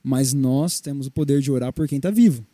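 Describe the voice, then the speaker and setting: A man's voice: medium pitch, a little fast, no echo. A young man with a Brazilian Portuguese accent, telling personal faith stories in a casual Christian podcast chat and acting out the quoted dialogue. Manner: animated storyteller, acts out quoted dialogue. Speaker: podcast co-host.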